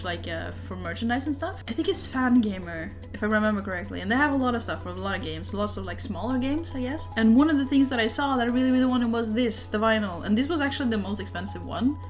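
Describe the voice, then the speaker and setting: A young woman with a Norwegian accent, a native Norwegian speaker, chatting casually in a show-and-tell vlog, rambling with many fillers. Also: mid-range voice. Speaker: vlogger.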